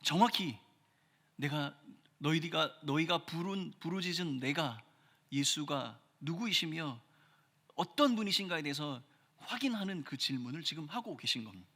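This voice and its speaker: A man preaching a sermon as pastor, earnest, pressing hard on key phrases and then dropping his voice low. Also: expressive, moderate pace, pushed and bright. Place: church sanctuary. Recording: church hall reverb.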